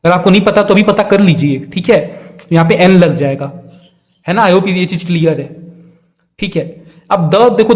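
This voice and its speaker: A young man with a high-pitched, darkish voice leads an exam-prep lesson. He explains things step by step, checks in often with fillers, and poses questions to his students.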